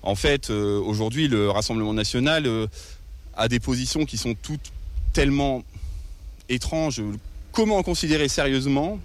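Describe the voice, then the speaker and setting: A man's voice: medium pitch, normal speed. A young man from northern France, an ecologist activist answering interview questions earnestly, with many hesitations. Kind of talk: interview at a protest.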